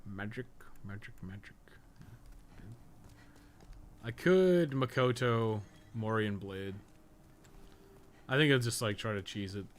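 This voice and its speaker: A game streamer and podcast co-host gives casual live gameplay commentary, rambling, thinking aloud and swearing casually. His voice is lowish and a little slow. A little hiss or hum is audible.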